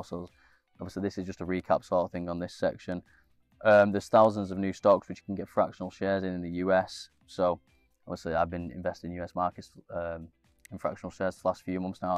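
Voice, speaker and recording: A young man with a very low, flat voice, slightly nasal and stuffed up from a cold. He rambles casually, circling back with fillers and restarts, recorded dry and close with faint music underneath. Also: dry recording. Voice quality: a bit nasal. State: congested with a cold. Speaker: investing channel host. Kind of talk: casual screen-share walkthrough.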